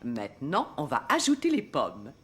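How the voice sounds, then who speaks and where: A woman's voice: extremely low pitch, huge pitch swings, normal speed, husky, exaggerated voice. A woman voicing a good-humoured farm woman in a children's cartoon, hospitable and instructive. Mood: cheerful, instructive.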